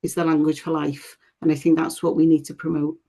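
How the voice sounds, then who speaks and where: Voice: medium pitch, monotone, brisk, warm tone. A panelist speaking in a meeting over a video call, hedging with many fillers. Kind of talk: panel discussion.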